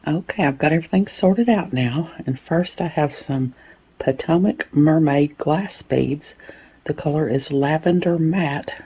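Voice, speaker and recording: A woman, hoarse from a cold, showing and describing beads in a casual unboxing vlog. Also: sits low, measured pace. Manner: soft-spoken, drops to whispers at times. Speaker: bead unboxing vlogger. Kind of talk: casual show-and-tell unboxing.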